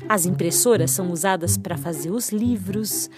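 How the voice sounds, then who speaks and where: A Brazilian woman telling stories and riddles to children, playful and expressive, speaking straight to her listeners with questions and dramatic pauses. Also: medium pitch. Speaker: children's storyteller and host. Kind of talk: storytelling to children, with riddles and tales. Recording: loud background music. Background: music.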